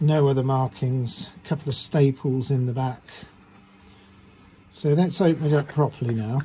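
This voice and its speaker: Speaking at a moderate pace with long, frequent pauses, this man has a fairly high pitch, a somewhat breathy, dark and mellow tone, and fairly even intonation. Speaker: model railway hobbyist youtuber. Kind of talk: tutorial. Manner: casual.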